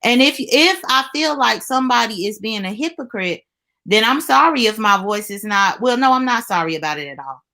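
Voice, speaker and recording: Bright, high-voiced, blunt woman. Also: expressive, normal speed. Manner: defensive, blunt. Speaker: panel participant on a live chat. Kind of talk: casual argument.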